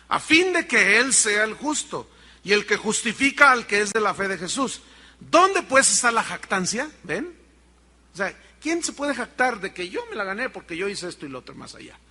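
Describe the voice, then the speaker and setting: A man's voice: high-pitched, sharp tone, in a large hall. A man preaching a sermon as pastor, emphatic and firing rhetorical questions at the congregation.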